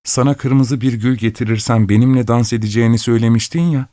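A man's voice: medium pitch, quick pace, dark tone, no room sound, studio quality, voice pushed up, lightly acted. A man voicing an impulsive, lovesick young student in a storybook reading. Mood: eager. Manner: eager, then bitter.

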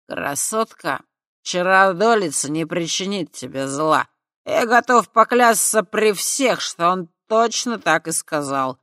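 A man's voice: high voice, animated, pushed and bright, dry recording, clean studio sound, exaggerated voice. Reader doing drunk cocky young guy, slurry and draggy, winks his way thru. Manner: slurred, slow, loose. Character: young man, drunk, swaggering and cheeky.

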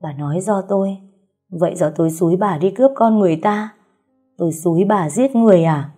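A woman voicing a stern male master of a wealthy household who speaks loudly and commandingly. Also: lowish voice, moderate pace, husky, soft background music. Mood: angry. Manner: loud, commanding.

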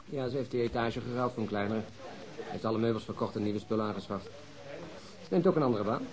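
A man's voice: lowish voice, fast, a crowd in the background, lightly acted, poor audio. An actor playing a sociable, teasing policeman chatting over drinks in a radio drama.

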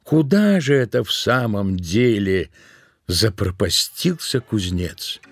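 A man narrating a literary tale for an audio play, expressively, with drawn-out emphatic words. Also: fairly low pitch, expressive, creaky, no room sound.

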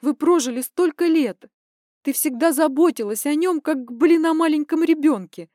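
A woman voicing a hot-tempered young adult daughter, indignant and shouting at her parents. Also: high-pitched, normal speed, no room sound, clean studio sound, voice pushed up, natural voice.

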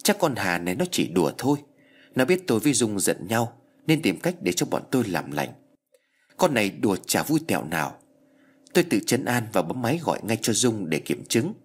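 A man narrating a ghost story in a slow, grave storytelling voice. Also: on the low side, big pitch swings, husky.

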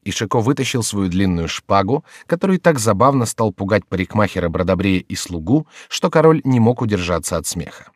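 A man narrating a classic novel in a measured, even storytelling manner for an audiobook. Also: fairly low pitch, dry recording, clean studio sound. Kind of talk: scripted literary narration. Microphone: close studio mic.

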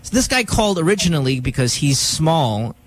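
A man's voice: a little high, big pitch swings, a little fast. A man with a Filipino accent hosting a casual morning radio show, teasing his co-hosts and pushing the game along.

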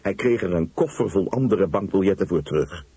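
A man reading a story aloud in the first person, with expressive narration. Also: deep voice, brisk, slightly rough, dry recording. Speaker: storyteller, reader. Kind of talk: audiobook reading.

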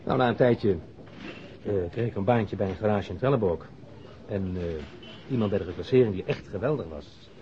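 A man's voice: on the low side, fairly quick, highs cut off, natural voice. A man playing a chatty, self-deprecating newspaper reporter who talks hesitantly in a naturalistic radio drama. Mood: chatty, grateful. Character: eager, chatty bachelor newspaper reporter, former convict.

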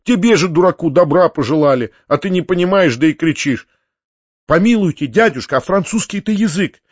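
Fussy older landowner, flustered and pleading, read by a man, high, dry muffled audiobook. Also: expressive, breathy edge, no room sound. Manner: flustered, pleading, quick-talking. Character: fussy, kindly older male landowner uncle. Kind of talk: audiobook character reading.

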